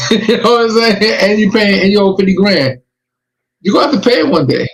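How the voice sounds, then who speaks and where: A man's voice: high voice, expressive, brisk, poor audio. A man hosting a podcast, giving emphatic, streetwise warnings and advice in casual chat. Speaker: podcast host.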